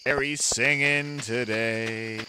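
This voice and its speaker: A man with a raspy voice streaming a co-op farming game, chatting loosely and drifting into pop-culture tangents. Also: mid-range voice, slow. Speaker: co-op gaming streamer. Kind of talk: casual gameplay banter. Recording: steady background noise.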